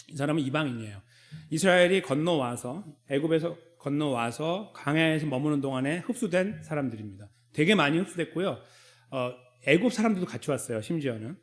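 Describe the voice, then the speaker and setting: Male pastor, higher-pitched voice, conversational sermon delivery, acts out dialogues. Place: church sanctuary.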